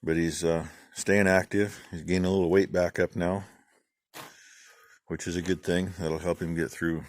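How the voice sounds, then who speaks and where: A middle-aged man, a farmer vlogging, giving rambling, plain-spoken shout-outs in a casual way. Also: low voice, dry recording. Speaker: farm channel vlogger.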